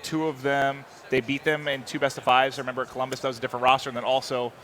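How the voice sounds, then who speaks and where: A male esports commentator chatting casually between matches, quick and chatty, often correcting himself mid-sentence. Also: mid-range voice, little pitch movement, a bit bright. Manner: fast, chatty, self-correcting.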